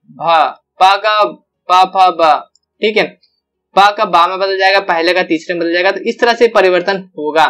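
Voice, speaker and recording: A young man teaching an online grammar lesson, explaining step by step and repeating each example with drawn-out syllables. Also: sits high, fairly bright tone.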